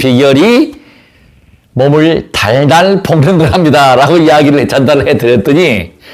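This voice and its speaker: A man's plain, everyday voice, fairly high in pitch. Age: 60s. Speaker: vlogger giving life advice, Buddhist practitioner. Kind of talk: casual storytelling vlog to viewers.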